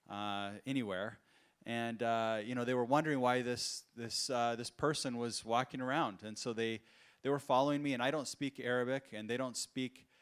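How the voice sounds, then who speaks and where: Guy giving an earnest keynote, plain mid voice, lots of um and uh. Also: mid-range voice. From United States. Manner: earnest, personal, with frequent fillers and restarts. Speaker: entrepreneur giving a conference talk. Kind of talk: conference keynote storytelling. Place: conference stage.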